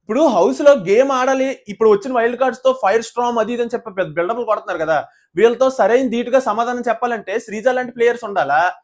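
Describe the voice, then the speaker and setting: A man's voice: very high-pitched, racing. A man giving a heated casual review of a reality show, firing off indignant rhetorical questions.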